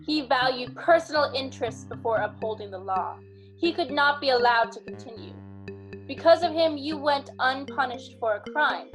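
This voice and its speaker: A woman acting a fanatical, murderous judge in a radio drama, grandiose and deliberate as she preaches. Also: high-pitched, animated, soft background music, poor audio. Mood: cold, righteous. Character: fanatical, murderous vigilante judge, coldly righteous.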